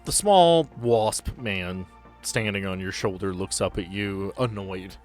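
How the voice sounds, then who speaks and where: A man's voice: sits low, takes it slowly, darkish tone, faint music behind. A man narrating a tabletop roleplaying game as game master in a casual, joking way.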